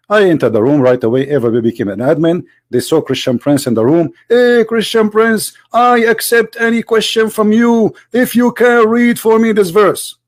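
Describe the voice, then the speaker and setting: A man's voice: fairly high pitch, darkish tone, dry recording. Tired-voiced man, hesitant commentary. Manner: hesitant, many filler sounds and throat clearing. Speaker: video host. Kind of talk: casual commentary to camera.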